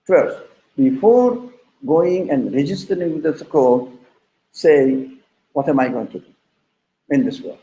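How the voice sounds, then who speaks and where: A man's voice: a little high, animated, measured pace, long pauses, mellow. A man giving an informal religious lecture in a didactic, conversational way, with examples and rhetorical questions. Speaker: religious teacher leading a class. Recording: echoey room.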